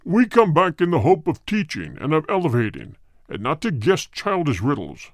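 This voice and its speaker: A male audiobook reader voicing a cold, hard, deep spirit that speaks through a medium in slow, grave sentences. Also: wildly swooping pitch, no room sound, clean studio sound. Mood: solemn. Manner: slow, grave, measured pronouncements. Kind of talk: audiobook reading.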